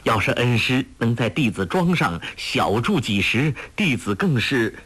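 A man's voice: mid-range voice, big pitch swings, unhurried, fairly bright tone, husky, heavily acted. A man voicing a humble middle-aged disciple in a storybook reading, speaking reverently, with emotion in his voice.

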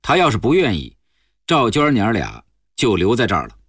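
A man's voice: on the low side, wildly swooping pitch, a little fast, a bit bright, husky, no room sound, clean studio sound, exaggerated voice. Man voicing a curt, arrogant healer. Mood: cold, dismissive. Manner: curt, dismissive. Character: arrogant cold middle-aged male healer.

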